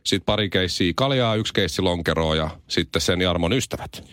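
A man's voice: expressive, fairly bright tone, smooth. A man hosting a radio morning show, joking with his co-hosts and spinning out silly ideas. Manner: playful, pitches silly ideas at length. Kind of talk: joking studio banter.

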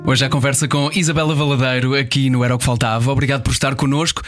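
Quick-talking man with European Portuguese accent. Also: medium pitch, flat delivery, music in the background. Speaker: radio interview host. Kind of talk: conversational radio interviewing. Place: radio studio.

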